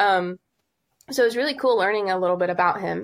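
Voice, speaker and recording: With lively intonation, a woman in an unremarkable speaking voice talks at medium pitch, recorded very cleanly with a silent background. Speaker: podcast host. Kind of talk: casual podcast chat. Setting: Alaska.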